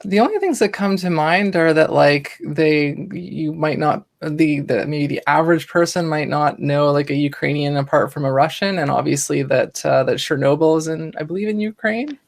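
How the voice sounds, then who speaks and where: A woman's voice: low-pitched, moderate pace, creaky, few pauses. A woman hosting a podcast interview, talking casually and rambling a bit, with lots of fillers and restarts. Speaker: podcast host. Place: Toronto, Canada.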